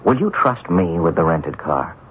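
A man's voice: sits low, sing-song, normal speed, husky, exaggerated voice. An actor playing an earnest, stubborn ordinary man bewildered by the supernatural in a radio drama. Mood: determined. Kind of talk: 1970s radio drama acting. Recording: dull, faintly noisy old radio recording.

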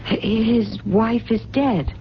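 A dull, noisy old radio recording carries a stubborn American woman in love. Her voice is fairly high, colloquial and insistent, with small hesitations. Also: steady tone, slow pace. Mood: curious, anxious. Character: stubborn, eager, lovestruck woman sheltering a fugitive. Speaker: radio drama actress. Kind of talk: 1970s radio drama acting.

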